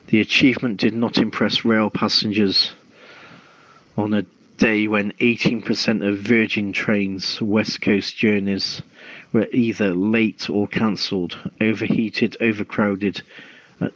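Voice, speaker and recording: A man hosting an online radio show, reading news and chatting in a measured, halting way. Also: on the low side, fairly bright tone, no room sound. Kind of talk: reading news aloud, then informal hosting chat. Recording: muffled, lo-fi dry audio.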